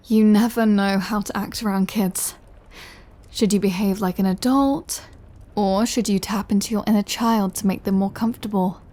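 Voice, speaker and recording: A woman playing a centuries-old vampire lover in an intimate audio roleplay, tender and brooding, speaking softly and confidingly and often dropping to a whisper. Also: medium pitch, close to an everyday voice.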